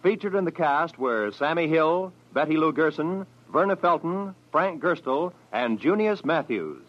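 A man announcing scripted credits for a 1940s radio show in a formal, deliberate way. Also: fairly high pitch, expressive. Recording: muffled old radio broadcast, music behind.

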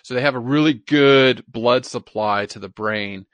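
A man with a bright, forward voice at a medium pitch, recorded close and dry. He talks like a podcast co-host explaining science to a friend, informally and with frequent repetition. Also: unhurried, dry recording. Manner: repeats himself, informal explaining. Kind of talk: casual science chat.

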